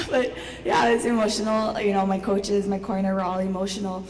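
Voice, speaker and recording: A young woman with a worn-out, hoarse voice talks through her fight in an easygoing, upbeat way. She sounds mid-pitched. The recording carries noticeable background noise and a long reverb tail. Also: fairly even intonation, brisk. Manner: casual, upbeat, laughs often. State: losing her voice. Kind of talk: post-fight press interview. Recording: noisy long-reverb hall.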